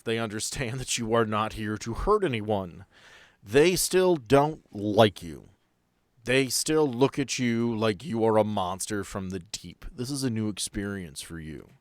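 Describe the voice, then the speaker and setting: Low-voiced man running a tabletop game. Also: expressive, a little slow, no room sound, studio quality. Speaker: game master.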